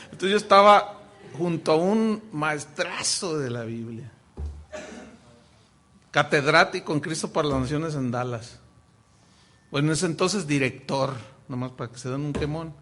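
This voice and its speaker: Mexican man, high bright voice, joking pastor teaching a class. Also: measured pace, pauses often, slight background noise. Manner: animated, joking, many restarts.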